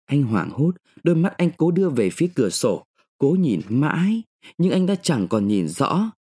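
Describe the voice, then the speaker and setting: A man reads a short story aloud with strong feeling. His pitch rises and falls over a wide range. His voice is mellow and slightly husky. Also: sing-song, normal speed. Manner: emotive, dramatic. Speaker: narrator. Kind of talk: dramatic short-story reading.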